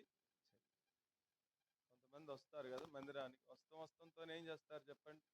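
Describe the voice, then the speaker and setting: A man's voice: fairly high pitch, low-quality recording. Telugu-speaking pastor questioning his congregation. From India. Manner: asks the congregation repeated rhetorical questions. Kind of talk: sermon. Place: church hall.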